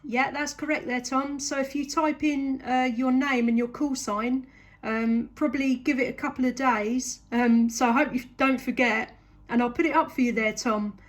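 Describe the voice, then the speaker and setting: High-voiced southern English woman on radio. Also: fairly even intonation, moderate pace, a little hiss or hum. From England. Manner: polite, effusively thankful. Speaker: amateur CB radio operator. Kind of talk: casual radio contact chat.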